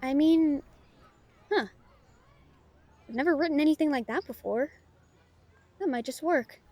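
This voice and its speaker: A woman's voice: high voice, unhurried, a little mellow, dry recording. A woman playing a casual, friendly female novelist in an audio drama, with an informal, slightly hesitant way of talking. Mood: hesitant, uneasy. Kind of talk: naturalistic audio roleplay acting.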